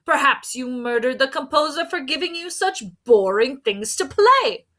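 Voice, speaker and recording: Vain, excitable male inspector for a storybook, played by a woman. Raised pitch, animated, self-important. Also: normal speed. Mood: accusing.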